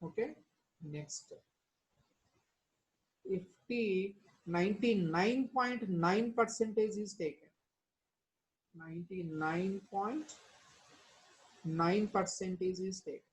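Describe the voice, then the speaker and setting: This woman's medium-pitched voice moves slowly with long pauses, and the recording is rough. As a chemistry teacher with a South Asian accent, she walks students through formulas one step at a time, prompting them with questions and tag words.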